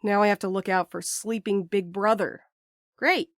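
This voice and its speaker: An actor plays a sardonic young postmaster in a naturalistic audio drama. The talk is casual and stubborn, full of wry deflection. The voice sits at a middle pitch in a very dry recording. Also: steady tone, moderate pace, fairly bright tone, no room sound, lightly acted. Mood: wry, defensive.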